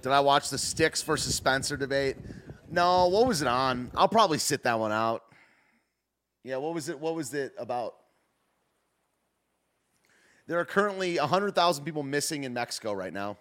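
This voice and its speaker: This host's medium-pitched voice is animated, fairly quick, and a little bright as he reacts to clips and reads chat on a laid-back livestream. His commentary is jokey and rambling, often breaking off before he starts over.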